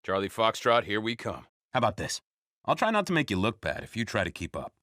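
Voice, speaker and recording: A man's voice: on the low side, wildly swooping pitch, brisk, a bit bright, no echo, studio quality. An actor playing a cocky, teasing male soldier in scripted war video game lines.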